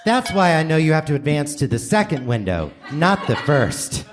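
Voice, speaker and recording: A man's voice: a little high, very animated, moderate pace, music in the background. A man performing a mock sponsor read with exaggerated enthusiasm in a live staged radio comedy. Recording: noisy live theater stage recording.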